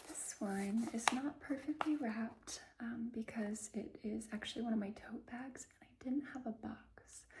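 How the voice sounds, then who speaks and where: A soft-spoken voice moves at a very slow pace. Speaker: ASMR creator and wrapping paper seller. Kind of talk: ASMR soft-spoken gift wrapping demonstration.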